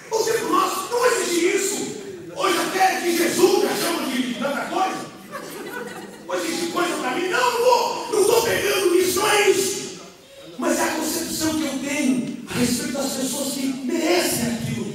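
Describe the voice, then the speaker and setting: A man with a Brazilian Portuguese accent preaching a sermon as pastor, animated, calling on the congregation to repeat his words. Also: very high voice. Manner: animated, calls on the congregation to repeat after him. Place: large church hall. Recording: echoey hall, distant mic, congregation.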